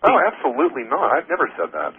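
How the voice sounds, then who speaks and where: A man's voice: on the high side, huge pitch swings, fast. A man calling into a radio show, skeptical and arguing back at the host, with hesitant fillers. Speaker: caller. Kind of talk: call-in radio debate. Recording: tinny phone line with faint hiss.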